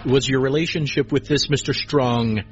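A curt, deep-voiced detective. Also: female voice, fairly even intonation, normal speed, muffled recording, soft background music. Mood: brusque. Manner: curt, blunt questioning. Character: curt, impatient female police detective. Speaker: police detective. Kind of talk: radio drama acting.

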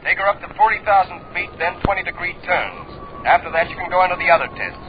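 An actor playing a flight test controller whose voice comes as a crackling radio transmission into a pilot's headset. He gives brisk, businesslike instructions in a vintage radio drama. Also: high-pitched, a crowd in the background. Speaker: ground controller. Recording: dull lo-fi radio with noise.

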